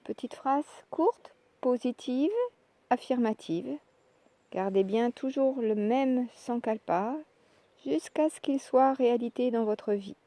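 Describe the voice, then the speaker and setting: A woman leading a guided yoga relaxation, speaking calmly and in measured short phrases with pauses. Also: fairly high pitch, dry recording. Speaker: yoga nidra relaxation instructor. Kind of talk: guided meditation, soft instructional narration.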